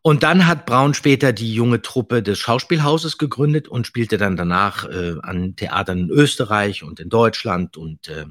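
A man's voice: lowish voice, measured pace, hardly any pauses, fairly bright tone, dry recording, clean studio sound. A man hosting a podcast about radio plays, chatting casually and enthusiastically with anecdotes. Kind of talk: casual chat.

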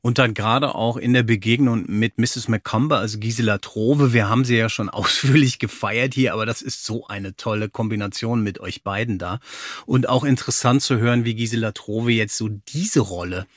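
A man's voice: fairly low pitch, normal speed, no room sound, studio quality. A man hosting a casual podcast discussion, talking playfully in wordy, appreciative phrases. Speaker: podcast host.

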